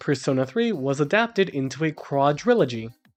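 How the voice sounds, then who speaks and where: Music plays in the background. Over it, a man is speaking. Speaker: video essayist. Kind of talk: video essay narration.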